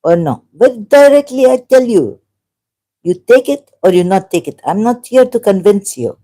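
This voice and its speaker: A woman's voice: mid-range voice, big pitch swings, normal speed, mellow. A woman giving a solo commentary, reading verses aloud and thinking aloud as she argues. She breaks off mid-phrase and asks her listeners questions.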